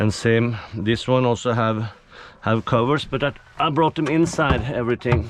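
Amid noticeable background noise, a man speaks, the sound dry with no echo. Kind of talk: casual vlog chat. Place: car. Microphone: phone near.

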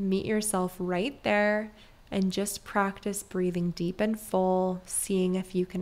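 Soft-spoken and soothing in tone, a woman talks at a fairly slow pace. Her intonation stays fairly even. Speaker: breathwork facilitator. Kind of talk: guided breathwork, calm instructional counting; casual interview chat. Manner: soft, slow, soothing, measured. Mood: calm, soothing, gentle. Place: home room. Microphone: studio mic.

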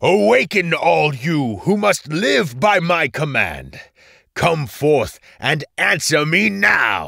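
Shouting in a booming, growling put-on character voice, a man goes at a very slow pace with a fairly high pitch on a very clean recording with a silent background. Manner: commanding, shouting.

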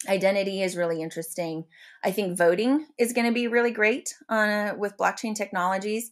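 With an American accent, a woman in an unremarkable speaking voice talks at a fairly quick pace and medium pitch, with ordinary pitch variation, in a very clean recording with a silent background. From US, Colorado. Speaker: humanitarian aid worker in blockchain. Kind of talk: interview.

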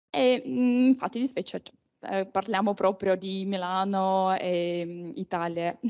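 A woman speaks in a medium pitch against a quiet background. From Ukraine. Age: young. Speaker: audience member. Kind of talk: audience question. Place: hall. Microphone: handheld.

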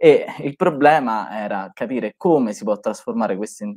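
Lively intonation from a man with a dark, mellow tone over a quiet background. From Rome, Italy. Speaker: doctoral researcher in political economy. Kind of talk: interview. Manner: halting, with many repetitions. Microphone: video call.

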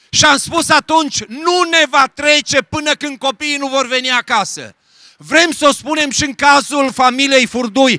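A man with an extremely high pitch projects a raised voice, solemn yet bright and sharp in tone, at a fairly slow pace with ordinary pitch variation and a dry, close sound with no echo. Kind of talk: rally speech with prayer-like appeals, ending in Amen. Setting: outdoor protest, crowd. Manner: firm, emphatic, declaring; solemn, preacherly.

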